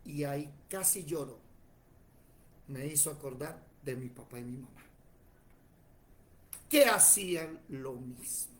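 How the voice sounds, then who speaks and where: Animated preacher in his forties. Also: fairly high pitch, slow, long pauses. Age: 40s. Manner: animated, tells stories acting out other voices. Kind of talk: sermon with personal stories. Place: church.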